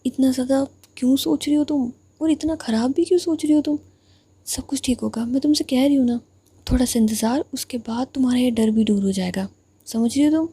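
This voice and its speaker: A woman's voice: high-pitched, a little fast, warm tone, husky, full character voice. A woman voicing a caring older sister who soothes and scolds two quarrelling young women. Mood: soothing.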